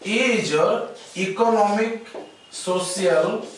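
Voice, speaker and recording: Slow, echoey Indian English male teacher. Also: sits high, slight background noise. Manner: slow and deliberate, spells out letters, repeats key terms. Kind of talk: classroom lecture. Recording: very echoey room, mic far off.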